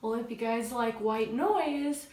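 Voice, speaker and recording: A woman's voice: fairly high pitch, takes it slowly, darkish tone, echoey room, slight background noise. A young woman with a stuffy, nasal voice, chatting her way through a makeup tutorial from home. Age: young adult. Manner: chatty, gushing, self-teasing. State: stuffy nose. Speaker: beauty vlogger. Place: small home room, indoors. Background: dogs playing.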